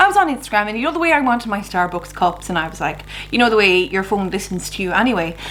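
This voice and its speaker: A woman speaks very fast in an Irish accent with an animated tone. Music plays in the background, and room echo is audible. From Ireland. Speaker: beauty YouTuber. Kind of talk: makeup tutorial, casual chat to camera.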